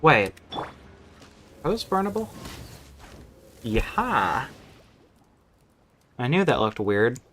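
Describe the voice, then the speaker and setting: A man doing casual, unscripted game commentary on a stream, thinking out loud and swearing freely. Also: mid-range voice, big pitch swings, extremely slow, pauses often, a little hiss or hum.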